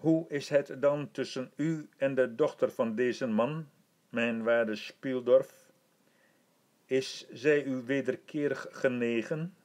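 A gracious old emperor, put on by a male reader of an old storybook, speaking with slow, deliberate dignity. His words come out formal and measured, full of calm command. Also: mid-range voice, lightly acted. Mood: stately. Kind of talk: audiobook reading.

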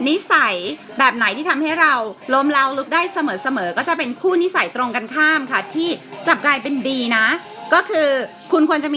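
A woman hosting a casual live chat show, talking about life habits in a chatty way. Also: high voice. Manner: chatty, fast and bright. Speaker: host.

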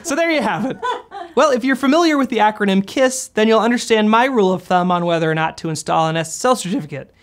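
A man's voice: high-pitched, expressive, fast. Goofy American man presenting an explainer. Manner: goofy, playful. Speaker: host. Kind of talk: scripted comedic explainer presentation. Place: indoor green-screen studio.

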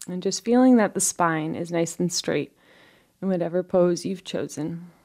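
A woman leading a guided relaxation, giving soft, unhurried instructions in a gentle, soothing manner with frequent pauses between phrases. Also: on the low side.

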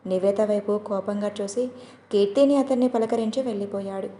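A woman's voice: medium pitch, fairly even intonation, fairly quick, mellow. Woman storyteller in an echoey room. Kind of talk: scripted audio-story narration. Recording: roomy echo.

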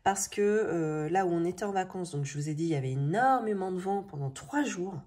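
A woman in her thirties with a French accent chats casually, thinking aloud in colloquial speech with a slightly rough morning voice. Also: fairly low pitch, lively intonation, fairly quick, a little mellow. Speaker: budgeting video host. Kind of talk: casual chatty vlog narration. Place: indoors at a table. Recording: noisy home recording with clicks.

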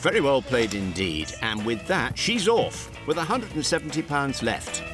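A man's voice: mid-range voice, big pitch swings, moderate pace, over music. A man narrating a television show in a scripted, wry and teasing way. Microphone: studio voice-over.

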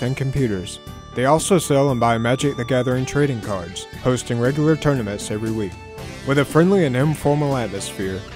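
Young man reading radio spots over music. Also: medium pitch. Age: young adult. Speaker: media student and radio announcer. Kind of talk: scripted radio commercial narration.

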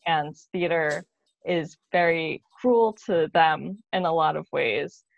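A woman's voice: deep voice, slow pace, vocal fry. An American woman in her thirties from Brooklyn, talking candidly as a panel guest in a roundtable over a video call. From Brooklyn, New York. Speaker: theatre maker and panel guest. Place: bright living room at home. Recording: slightly dull video-call audio.

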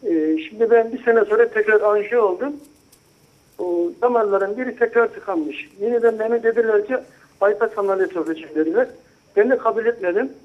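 A man's voice: sits high, a little fast. A man calling in to a show over a landline phone, politely asking a question and checking that he can be heard. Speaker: caller. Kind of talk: call-in question. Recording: muffled phone line.

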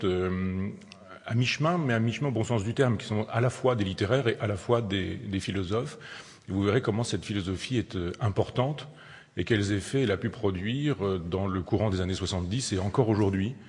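A man's voice: fairly low pitch, darkish tone, breathy edge. A man giving a public philosophy lecture, hesitating often with fillers and restarting his sentences. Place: lecture hall. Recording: long reverb of a lecture hall.

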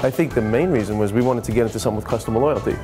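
A man in his forties, co-owner of a market and restaurant, talking in a relaxed, plain-spoken way in an indoor interview. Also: medium pitch, rapid-fire. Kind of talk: casual testimonial interview. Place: restaurant dining room, indoors. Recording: music playing underneath.

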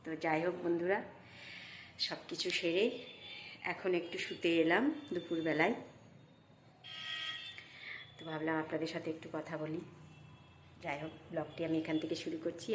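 Brief: middle-aged woman, casual home vlog, quiet soft delivery, echoey room with faint hiss. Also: fairly even intonation, a little fast, long pauses. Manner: soft, low-key talk to viewers, bright and playful with her daughter. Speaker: vlogger. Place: bedroom at home.

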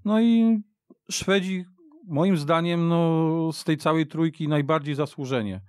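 A man's voice: a little high, unhurried, a little mellow, clean tone, no echo. A man talking football as a radio studio guest, searching for words and often restarting his sentences as he goes on at length. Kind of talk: casual sports discussion.

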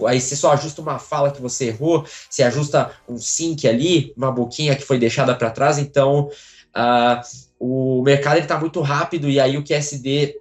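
A man's voice: medium pitch, steady tone, a little fast, soft background music. Young Brazilian man chatting in an interview. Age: 20s. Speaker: interview guest, aspiring voice actor. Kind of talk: casual interview chat. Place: small room at home, on a video call. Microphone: phone or device mic at some distance, video call.

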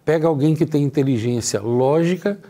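A man's voice: on the high side, moderate pace, mellow. A middle-aged man teaching a workplace lesson as a trainer. He talks emphatically and straight to the viewer, acting out short dialogues as he goes. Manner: acts out short dialogues in his talk.

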